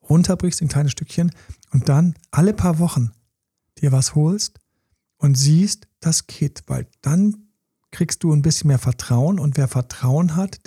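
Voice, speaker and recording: A podcast co-host with a slightly high, gravelly, somewhat rough voice gives laid-back, slangy advice about relationships. He's animated and acts out small scenes in quotes. The recording is dry and clean, studio quality.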